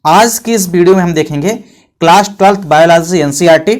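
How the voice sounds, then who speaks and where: Man, high voice, teacher, explains a board lesson, asks and answers his own questions. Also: brisk.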